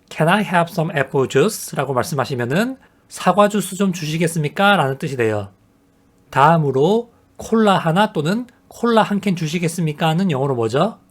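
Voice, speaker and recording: An English teacher narrating a travel English lesson, patiently explaining and reading each example sentence slowly and deliberately. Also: mid-range voice. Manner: patient, repetitive explaining with questions to the viewer.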